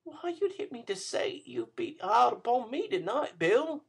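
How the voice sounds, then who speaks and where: A man voicing a weary young woman in a storybook reading, speaking with soft, pleading tenderness. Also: extremely high pitch, sing-song, unhurried, gravelly, a little hiss or hum, voice pushed up, exaggerated voice.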